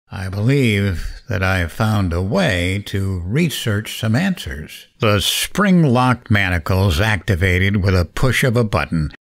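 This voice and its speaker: An actor playing a cocky, vengeful late-night radio host, sardonic and goading, in dramatic narration and interview. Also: male voice, medium pitch. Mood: grim, accusing.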